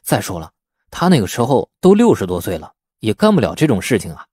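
A man's voice: fairly low pitch, huge pitch swings, brisk, darkish tone, husky, dry recording, studio quality, heavily acted. A man voicing an anxious, doubting male character in an audiobook, questioning and protesting. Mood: doubtful.

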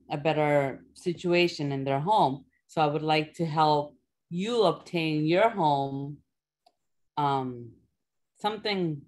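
Woman participant on a video call, low voice, earnest and hesitant. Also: a little mellow.

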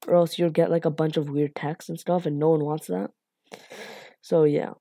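A woman walks through a coding tutorial in a low, mellow voice, rambling with fillers and apologizing for her slips. Her voice sounds a little raspy from the late hour. The recording is close and dry. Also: level tone, normal speed, no echo. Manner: rambling, self-deprecating, lots of fillers and apologies. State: a bit raspy from being up late.

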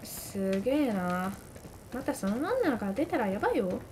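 A young woman doing playful, excitable gameplay commentary, talking to herself and breaking into shrieks. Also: fairly high pitch, moderate pace. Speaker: gamer commentating a let's play. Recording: noisy game audio under voice.

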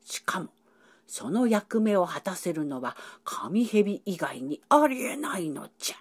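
A woman's voice: lowish voice, very animated, a little slow, slightly rough, heavily acted. A woman voicing an elderly male professor who lectures at length in old-fashioned speech. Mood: lecturing. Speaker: professor explaining ancient symbols. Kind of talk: educational dialogue.

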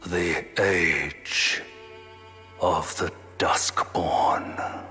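A male actor playing a grave, deliberate storyteller of a fallen realm in a dark fantasy game, with a breathy delivery. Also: low-pitched, fairly even intonation, soft background music, exaggerated voice. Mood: solemn, grave. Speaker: narrator. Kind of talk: solemn scripted dark fantasy game narration.

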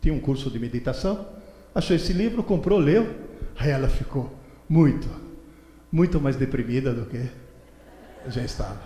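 A man in his seventies giving an animated lecture on a stage, telling stories with mimicked voices and indignant outbursts. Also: on the high side. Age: 70s. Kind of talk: animated lecture to a seminar audience. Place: large hall with a stage. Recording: echoey hall recorded from far off.

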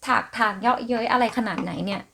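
A woman's voice: on the high side, fast talker, vocal fry, fairly bright tone, slight background noise. A young adult woman hosting a podcast, chatting casually and playfully as she explains song lyrics line by line. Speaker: podcast host.

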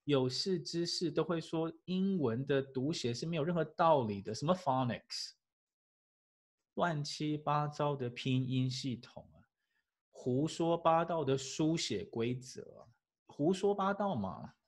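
A man, an English teacher giving a lively classroom lecture full of rhetorical questions and chuckles. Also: on the high side, unhurried.

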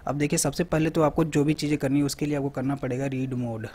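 Male tech tutor, conversational screen-demo narration, mid pitch. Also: steady tone, quick pace, dark tone, slight background noise. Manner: conversational, repeats "theek hai" often. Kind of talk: screen-recorded software walkthrough.

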